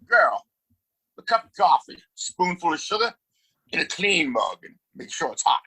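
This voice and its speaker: A man plays a rich, domineering town boss in a Western radio play. His bright voice swings widely in pitch as he hands out orders with condescension and open scorn. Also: big pitch swings, moderate pace, slightly rough, exaggerated voice, low-quality recording. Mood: haughty. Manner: condescending, commanding. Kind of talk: Western audio play acting.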